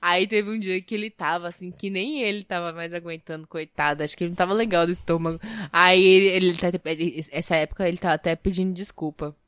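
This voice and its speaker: A woman's voice: on the low side, steady tone, quick pace, hardly any pauses, a bit bright, clean tone, dry recording. Co-host, young Brazilian woman, theatrical, overstated delivery, dry close sound. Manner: exaggerated, playful storytelling. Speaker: podcast co-host. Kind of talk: casual chat.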